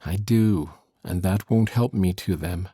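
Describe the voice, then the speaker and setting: A woman reading an audiobook voices Heathcliff, a sullen, brooding teenage boy, speaking slowly, low and gruff. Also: mellow, no room sound, clean studio sound, heavily acted. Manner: slow, gruff, low and sulky.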